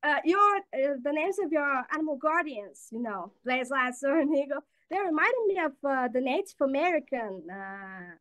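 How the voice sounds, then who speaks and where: A woman in her twenties from Bulgaria, a native Bulgarian speaker, chatting as a panel guest with many fillers and pauses. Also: high-pitched, animated, fairly bright tone, no echo. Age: 20s. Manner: halting, many fillers, laughs. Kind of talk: casual chat.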